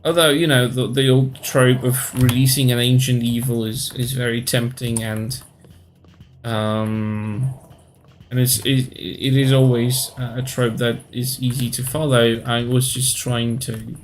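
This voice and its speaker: A man in his thirties from Poland, speaking English with a Polish accent in a casual live-stream chat, pausing often to search for words. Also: medium pitch, little pitch movement, a little hiss or hum. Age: 30s.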